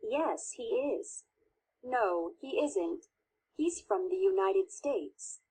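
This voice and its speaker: A woman reading scripted textbook audio answers, slowly and carefully enunciated. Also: high-pitched, sing-song, dark tone, low-quality recording.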